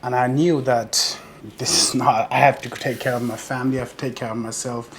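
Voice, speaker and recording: A man's voice: mid-range voice, fairly even intonation, brisk, slight background noise. A man from Afghanistan, a professional bodybuilder, telling his life story in an earnest, determined interview monologue.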